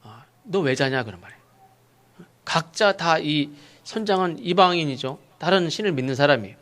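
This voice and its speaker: A male pastor preaching a sermon, asking rhetorical questions and acting out sharp rebukes. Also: on the high side, animated, brisk. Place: church sanctuary.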